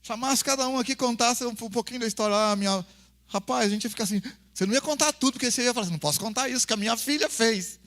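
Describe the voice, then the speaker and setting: A pastor with a Brazilian accent preaches in a folksy, conversational way, calling the congregation "brother" and acting out family dialogues. His voice is extremely high-pitched, a bit bright, and rapid-fire.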